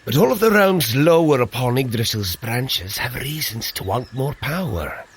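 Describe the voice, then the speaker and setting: Husky male voice, hearty warrior god, earnest, lively pitch swings, archaic diction, audio adventure drama. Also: normal speed. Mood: wary. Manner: formal archaic diction, booming when rallying.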